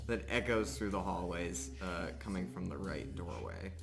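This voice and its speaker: A man narrating a live tabletop game as game master, improvising in a halting, deliberate way. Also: low voice, gravelly. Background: music.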